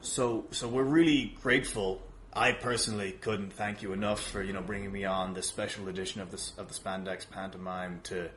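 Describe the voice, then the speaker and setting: On a podcast, a guest who promotes wrestling shows trades lines in an improvised comic argument, apologizing and hesitantly trying to placate the other person. His lowish voice is fairly bright, fairly quick and fairly even in intonation, with slight background noise.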